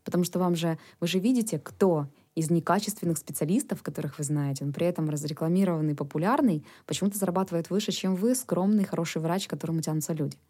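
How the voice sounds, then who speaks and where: A woman whose first language is Ukrainian explains things earnestly as an interview guest. Her voice sits low and sounds warm and mellow. She often thinks aloud as she talks. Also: fast, hardly any pauses, husky. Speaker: government official, guest.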